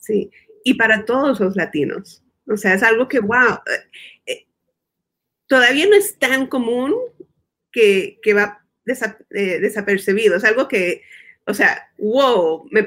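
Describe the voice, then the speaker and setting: A woman's fairly high-pitched voice at a very slow pace, with long, frequent pauses and ordinary pitch variation. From Miami, US (Puerto Rican and Cuban family). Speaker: advertising strategist. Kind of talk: interview. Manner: halting, many repeated words.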